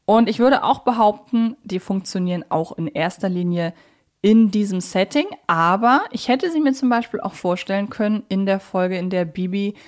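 A woman's voice: mid-range voice, moderate pace. A woman co-hosting a podcast, discussing fictional characters in a casual, thoughtful and opinionated way. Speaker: podcast co-host. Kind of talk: casual fan discussion of audio drama characters.

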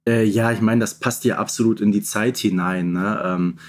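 A man with a fairly low, fairly even voice talks at a normal speed while co-hosting a casual podcast. Reviewing children's audio dramas, he explains things and seeks agreement with little tag questions.

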